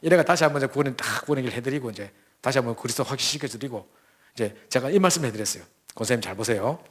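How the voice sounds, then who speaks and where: Fast-talking husky young man preaching. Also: medium pitch. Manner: fast, animated storytelling with restarts and quoted dialogue. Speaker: preacher at a church training camp. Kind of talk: sermon with acted-out stories.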